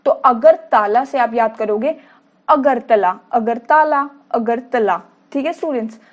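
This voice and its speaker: A woman's voice: a little high, a little slow, highs cut off. A woman teacher explaining memory tricks to students, asking questions and answering them herself while repeating key words. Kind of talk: mnemonic lesson for students.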